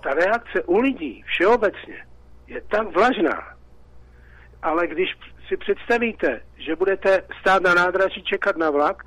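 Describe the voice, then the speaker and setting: A man's voice: high-pitched, expressive, fairly bright tone, no echo, rough recording. A Czech man calling in to a radio talk show, talking in an agitated, repetitive way. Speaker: caller.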